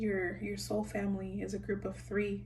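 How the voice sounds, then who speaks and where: A woman talks at a fairly slow pace. Audible room echo hangs around her voice. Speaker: tarot reader and psychic. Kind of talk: tarot reading. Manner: halting, repeats words; casual, filler-heavy.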